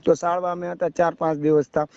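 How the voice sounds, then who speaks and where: A man's voice: on the high side, level tone, quick pace, vocal fry, darkish tone, clean tone, no echo. A young man with a rural Saurashtra Gujarati accent giving a rambling personal account on a phone call, often checking that the listener follows. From Gujarat, India. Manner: rambling, often adds a checking tag question. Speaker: caller seeking advice. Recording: dull lo-fi phone call recording.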